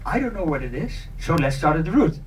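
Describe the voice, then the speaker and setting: Middle-aged male presenter, fairly high voice, playful informal live skit, recorded from afar. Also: very animated, fairly quick. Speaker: session presenter acting out an internet provider. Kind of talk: live conference skit, semi-improvised. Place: small conference meeting room. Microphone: handheld mic, filmed from audience. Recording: distant, noisy conference room recording.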